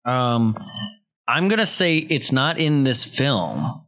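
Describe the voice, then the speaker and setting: A man's voice: mid-range voice, very animated, slow, a bit bright. A man hosting a casual film-review podcast, talking loosely with many "likes" and restarts. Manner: loose and rambling, lots of fillers and likes. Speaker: podcast host reviewing films. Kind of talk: casual chat.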